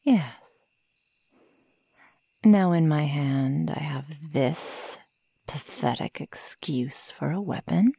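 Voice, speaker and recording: Woman playing a breathy, sadistic werewolf girl, very slow. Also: deep voice, expressive, mellow, no echo, heavily acted. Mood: cruel, playful. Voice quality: breathy, whispery. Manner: slow, taunting, menacing. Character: sadistic young female werewolf toying with her prey. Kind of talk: ASMR roleplay. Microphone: close microphone, dry.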